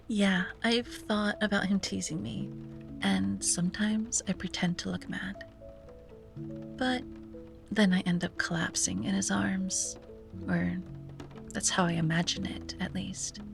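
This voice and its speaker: A woman playing a wistful, self-doubting young sea-witch in an ASMR roleplay, speaking softly and breathily with hesitant musing and frequent drops to a whisper. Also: medium pitch, steady tone, slow pace, long pauses, over music. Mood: dreamy, longing. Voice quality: breathy, often dropping to a whisper. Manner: hesitant, musing, sighing, gently playful. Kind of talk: ASMR roleplay, soft intimate monologue.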